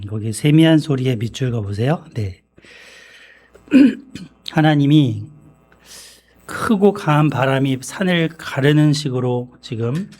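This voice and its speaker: A man preaching at an unhurried pace, his voice mid-pitched and ordinary for a man. He delivers the sermon in a measured, deliberate way, pausing often and clearing his throat between phrases. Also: darkish tone. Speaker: pastor. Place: church.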